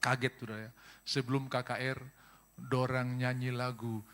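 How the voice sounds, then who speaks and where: A man's voice: level tone, moderate pace, a bit bright. A middle-aged male pastor preaching a sermon, telling stories with humor and acting out voices, often calling out to the congregation. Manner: humorous storytelling, acts out voices with big pitch jumps; addresses congregation as brothers and sisters.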